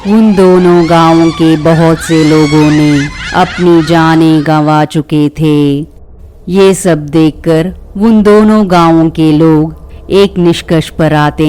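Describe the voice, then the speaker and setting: Slow, crisp horror storyteller. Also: mid-range voice, darkish tone. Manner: dramatic, repeats phrases for effect. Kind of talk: scripted horror story narration.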